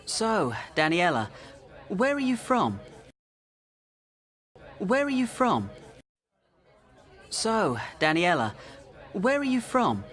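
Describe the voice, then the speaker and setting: A man voicing an adult man who asks slow, clear questions with a falling tone at the end. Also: high voice, huge pitch swings, fairly bright tone, a faint crowd, voice pushed up, full character voice. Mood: friendly. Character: adult man named Jake, friendly questioner.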